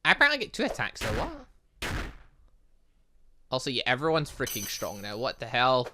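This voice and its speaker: A gaming video host giving excitable, rambling let's play commentary, often breaking off mid-sentence with mild exasperation. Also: mid-range voice, normal speed, background noise.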